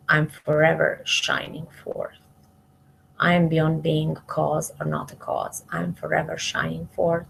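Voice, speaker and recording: A woman reading spiritual verses aloud devotionally, in measured short phrases that trail off softly at the ends. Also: low voice, creaky, a little hiss or hum, rough recording. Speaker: reader of spiritual scripture, commenting as she goes.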